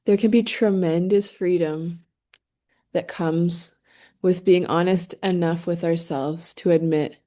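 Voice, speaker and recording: With a fairly low pitch, a woman leads a guided meditation in gentle, soothing short phrases, letting long, leisurely pauses fall between them.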